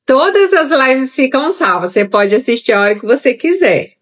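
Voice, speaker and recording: A woman's voice: high voice, animated, moderate pace. A young adult woman leading a live-streamed Bible study in a conversational way, speaking straight to her viewers. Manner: conversational, talks directly to viewers. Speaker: Bible teacher.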